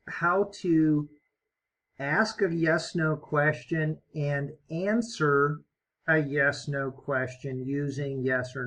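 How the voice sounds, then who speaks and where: A man teaching an online English lesson, explaining step by step in a slow, encouraging way. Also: a little high, fairly bright tone. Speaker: ESL teacher.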